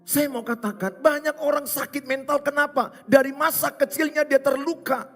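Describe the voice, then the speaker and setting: A pastor preaching a sermon, hammering points home with repetition and rhetorical questions. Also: male voice, very high voice, fairly even intonation, normal speed. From Indonesia. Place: large church hall. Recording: reverberant church hall with music.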